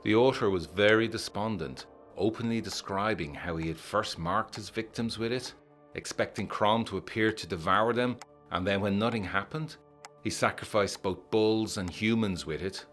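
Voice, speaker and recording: Man, very low voice, formal letter-style narration, faint music behind. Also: fairly bright tone. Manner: measured, formal period storytelling.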